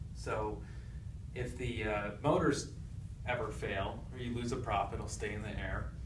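Noticeable background noise sits under speech delivered at a moderate pace. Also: man. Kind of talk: product demonstration. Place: classroom. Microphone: camera far.

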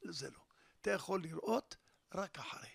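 The sound is dry and close with no echo as a man speaks in a bright, sharp tone. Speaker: rabbi. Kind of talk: sermon. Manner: animated.

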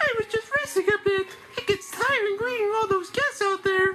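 A female-sounding voice does a put-on character voice, squeaky and extremely high in pitch, at a moderate pace over light background noise. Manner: sweet, polite.

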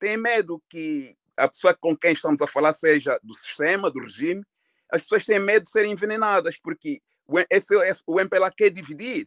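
Against a quiet background and with a dry sound with no echo, a man with a high pitch talks at a moderate pace, his intonation lively and his loudness swinging widely. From Angola. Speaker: Angolan diaspora activist; guest. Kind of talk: casual discussion. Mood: earnest, critical political talk. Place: home room. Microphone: video call.

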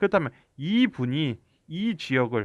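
The voice has a Jeolla accent and very wide pitch swings. The sound is dry and close with no echo, against a quiet background. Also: man. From Gwangju, Jeolla. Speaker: real estate YouTuber. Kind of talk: tutorial.

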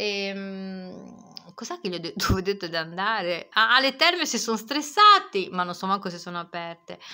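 A woman's animated, medium-pitched voice at a moderate pace, with ordinary pitch variation and big swings in loudness. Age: 60s. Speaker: vlogger and knitting teacher; vlogger, knitting teacher. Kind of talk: casual vlog talk. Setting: at home. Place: home room.

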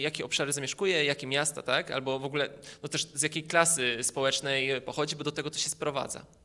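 The man's voice sits at a fairly high pitch with a bright, sharp tone. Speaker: debate moderator and podcast co-host. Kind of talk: panel debate moderation. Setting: live debate in an event venue. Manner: formal. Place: hall. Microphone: handheld.

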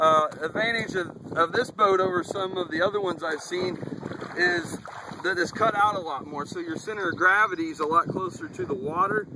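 A man talks at a fairly quick pace with a high pitch and ordinary pitch variation. The sound is dry with no echo, though noticeable background noise is present. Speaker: store staff demonstrating product. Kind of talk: product demo talk. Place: waterside.

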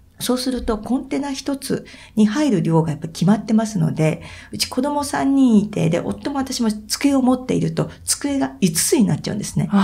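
Over noticeable background noise, a woman speaks at a fairly high pitch with very wide pitch swings. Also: moderate pace. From Hokkaido, Japan. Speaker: painter and author. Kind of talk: interview.

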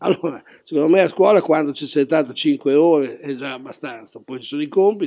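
With a dark, mellow tone, a man talks at a fairly quick pace with ordinary pitch variation and big swings in loudness against a quiet background. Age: 70s. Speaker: regional culture official; speaker. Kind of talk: panel presentation. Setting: book fair panel. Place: hall. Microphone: handheld.

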